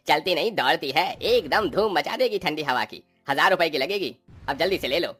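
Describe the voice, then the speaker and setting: A man voicing a sly, cheating junk dealer in a cartoon, smooth-talking and scheming. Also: a little high, expressive, moderate pace, a bit bright, soft background music. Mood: pushy. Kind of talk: cartoon voice acting.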